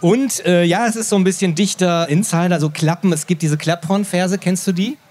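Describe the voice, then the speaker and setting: A man from the Sauerland hosting a limerick reading event, chatting between readings and reciting limericks slowly. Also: high-pitched, steady tone, darkish tone. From Sauerland, Germany. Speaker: host.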